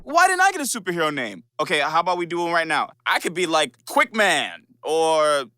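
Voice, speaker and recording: A man playing a cocky, take-charge speedster superhero with a brisk comic manner in an audio drama. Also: fairly high pitch, big pitch swings. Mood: eager. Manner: brisk, self-assured, comic.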